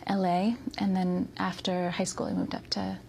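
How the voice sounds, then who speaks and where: Soft-spoken gravelly woman. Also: fairly low pitch, level tone, moderate pace, slight background noise. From United States. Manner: hesitant, with many ums and soft laughs. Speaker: interview guest. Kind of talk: soft-spoken interview answers.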